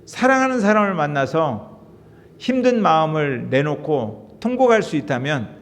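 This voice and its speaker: A middle-aged male pastor preaching with a high, lively voice that swings up and down as he pleads and explains. He talks to his congregation in an emotive, conversational way. The sound has the long reverb of a church sanctuary. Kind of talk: sermon.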